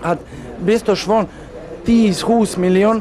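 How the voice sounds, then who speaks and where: A non-native man with a foreign accent, speaking halting, repetitive Hungarian in a spontaneous interview. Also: sits high. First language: not Hungarian. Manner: halting, repetitive broken speech. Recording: crowd noise around interview.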